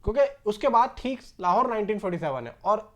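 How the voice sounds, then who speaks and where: High-voiced man chatting film news. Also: sing-song, quick pace, a bit bright. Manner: conversational, repeats himself, addresses viewers directly. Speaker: YouTube film news host. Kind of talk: casual film news commentary.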